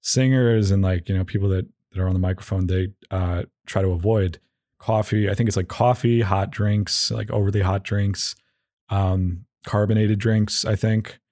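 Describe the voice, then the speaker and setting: A man with a fairly low voice hosts a casual solo podcast in a close, dry recording. He rambles in halting phrases, often doubling back on his words. His humor is self-deprecating and a little goofy. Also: fairly even intonation, darkish tone, no room sound. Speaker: podcast host.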